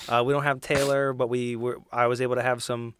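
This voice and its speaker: A man's voice: mid-range voice, level tone, brisk, fairly bright tone, slight background noise. A man chatting casually as a podcast host and tabletop player, friendly and upbeat.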